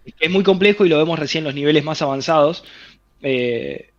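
A man's voice: a little high, fairly quick, dull audio. A man with a Rioplatense Spanish accent, explaining a health theory in an interview through vivid everyday scenarios told straight to the listener. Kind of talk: animated explanatory interview talk.

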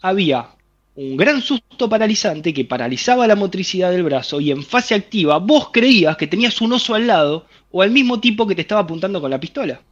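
Higher-voiced Rioplatense man explaining vividly. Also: expressive, fairly quick, dull audio. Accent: Rioplatense Spanish. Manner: explains with vivid hypothetical scenarios, addresses listener directly. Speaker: interviewee explaining a health theory. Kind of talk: animated explanatory interview talk.

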